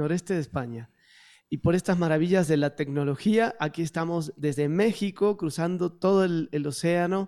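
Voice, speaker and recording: A man speaks at a moderate pace in a high, dark, mellow voice with ordinary pitch variation. The recording is dry and close, with no echo. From Argentina, Rosario. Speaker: podcast host, singer and Alexander technique teacher. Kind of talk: casual chat. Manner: halting.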